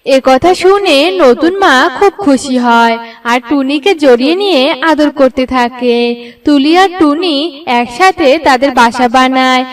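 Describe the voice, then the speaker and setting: Woman narrator, high voice, scripted storybook delivery, slightly away from the mic. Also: a little slow, distant mic.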